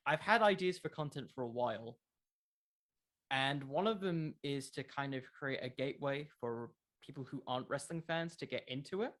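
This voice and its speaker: A man's voice: medium pitch, normal speed, a bit bright. Earnest man explaining in casual interview chat. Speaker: podcast creator, interview guest.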